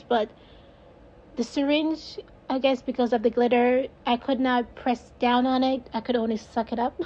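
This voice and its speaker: A woman's voice: on the high side, mellow, dull audio. A woman with a Jamaican accent casually narrating her own craft video, rambling and laughing at herself. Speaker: resin crafter, video host.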